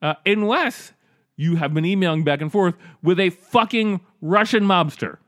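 A man's voice: high voice, normal speed, fairly bright tone, dry recording, clean studio sound. A man co-hosting a casual political comedy podcast, blunt and profane, laughing at his own jokes. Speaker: podcast co-host.

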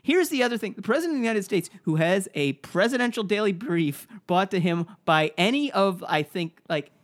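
A man's voice: high-pitched, lively intonation, fairly quick. A man with a nasal voice co-hosting a podcast, rambling and repeating himself in casual comedic chat. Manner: rambling, stammers and repeats words. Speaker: podcast co-host.

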